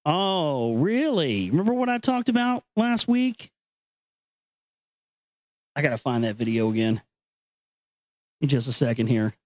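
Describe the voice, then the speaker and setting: A man's voice: a little high, sing-song, a little slow, pauses often, darkish tone, no room sound. A man hosting a show, moving between dramatic reading and casual, earnest, conspiratorial commentary. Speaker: host reading an ancient text with commentary.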